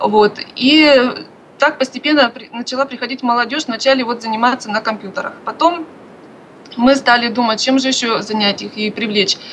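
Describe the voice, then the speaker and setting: Against noticeable background noise, a woman with a high voice speaks at a moderate pace with fairly even intonation and long, frequent pauses. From moved to Vorkuta in 1996. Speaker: local organization chairwoman. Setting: phone call.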